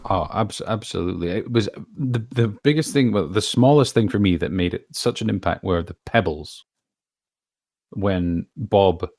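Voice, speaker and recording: A man's voice: low-pitched, normal speed, darkish tone, no echo, clean studio sound. A man discussing things casually as a panelist on a podcast. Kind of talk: casual behind-the-scenes discussion.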